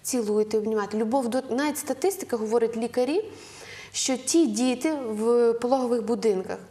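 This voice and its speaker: A woman's voice: fairly high pitch, fairly quick, mellow. A young woman with a western Ukrainian accent, a guest on a Christian TV show, giving earnest parenting advice with frequent hesitations.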